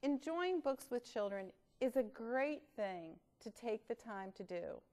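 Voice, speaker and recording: A woman presenting read-aloud tips in an expressive, instructional way, with deliberate emphasis. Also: on the high side. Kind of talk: instructional talk with storybook reading.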